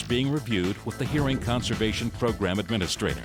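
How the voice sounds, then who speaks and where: A man's fairly low voice at a very fast pace, with lively intonation and music in the background. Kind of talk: corporate promotional narration.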